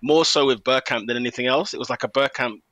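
A man in his thirties, a stadium announcer guesting on a podcast, telling stories in a quick, animated way. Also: mid-range voice, dry recording. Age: 30s. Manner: quick, animated storytelling with laughs. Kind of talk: conversational interview.

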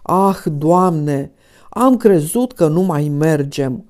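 A woman's voice: sits low, animated, darkish tone. A woman reading an audiobook voices a painter's wife whose politeness is affected and sour. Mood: falsely polite.

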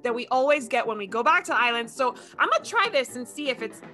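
A woman in her thirties from Ecuador, a native Spanish speaker with a slight accent, hosting a casual video-call chat in an upbeat, animated way. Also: on the high side, fast, faint music behind. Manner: bubbly, animated, laughs often. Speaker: host. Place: home studio with shelves.

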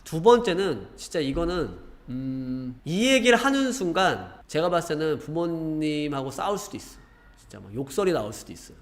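A young man, an exam consultant, talks parents through what not to say, acting out the parents and their kids as he goes. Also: on the high side. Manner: animated, acts out parent and child quotes. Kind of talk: livestream advice talk to parents.

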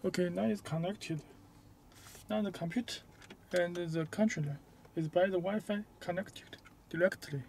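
A man who is not a native English speaker gives a step-by-step hands-on demonstration inside a car, in halting, short, simple phrases. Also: sits high, creaky, darkish tone, a little hiss or hum. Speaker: product demonstrator.

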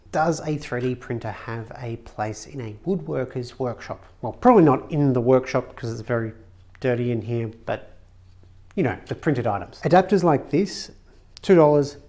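Aussie guy in his 30s chatting thru a workshop build, practical and a bit wry, brick workshop, mid-pitched voice. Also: mellow. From Australia. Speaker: woodworking channel host. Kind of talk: casual how-to vlog. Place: brick-walled home woodworking workshop, indoors.

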